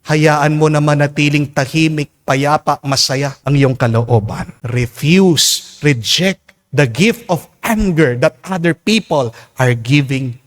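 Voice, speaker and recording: A man's voice: fairly high pitch, takes it slowly. A Filipino Catholic priest giving an emphatic homily at Mass, often calling out to his congregation. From Philippines. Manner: emphatic preaching, mixing in English, often calling out "Amen?" to the congregation. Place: church during Mass.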